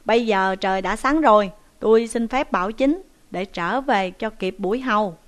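A woman's voice: mid-range voice, moderate pace, natural voice. A woman voicing a male constable of an old tale who speaks formally and politely.

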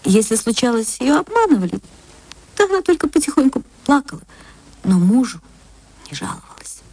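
Gentle higher-voiced woman narrator. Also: very animated, normal speed. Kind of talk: literary audiobook reading.

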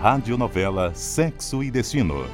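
A man's voice: mid-range voice, sing-song, moderate pace. A man reading scripted radio announcements in a formal announcer style. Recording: music behind the voice.

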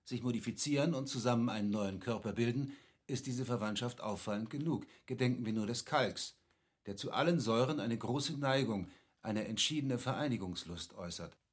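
Learned captain played by a man, husky and measured. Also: medium pitch, natural voice. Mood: patient, instructive. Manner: measured, didactic, formal. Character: learned, courteous captain patiently explaining, a cultivated man. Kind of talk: classic German radio play acting.

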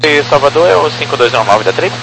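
A man's voice: fairly high pitch, lively intonation, brisk, gravelly, background noise. A man, an airline pilot, talking over a cockpit headset radio link in clipped, formal aviation phraseology. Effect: radio transmission from a cockpit headset.

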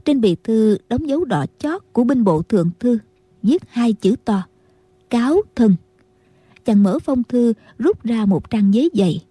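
Woman narrating with a dark, husky voice. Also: a little high, lively intonation, normal speed, no room sound. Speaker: audiobook narrator. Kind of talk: scripted martial-arts novel narration.

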